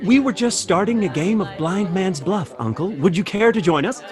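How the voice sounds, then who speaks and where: Effusive, animated young nephew. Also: male voice, sits high, normal speed. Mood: delighted welcome. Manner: effusive, welcoming. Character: hospitable younger nephew hosting a Christmas party. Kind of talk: theatrical radio play acting.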